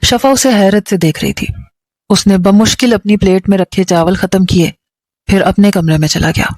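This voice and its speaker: Even-voiced woman storyteller, dry and close. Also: mid-range voice, no echo. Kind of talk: narrated moral romance story.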